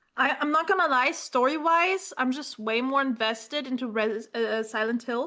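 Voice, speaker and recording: A woman with a German accent uses a raised, projected voice with a bright, sharp tone and a high pitch. She keeps a moderate pace with hardly any pauses and ordinary pitch variation. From Germany. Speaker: vtuber podcast co-host. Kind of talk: casual chat.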